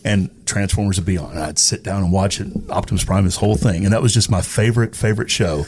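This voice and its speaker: Hesitant, lowish-voiced male interview guest. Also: fast, a little mellow, breathy edge. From East Texas, United States. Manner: hesitant, repeats words. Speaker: interview guest, radio personality. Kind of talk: casual chat.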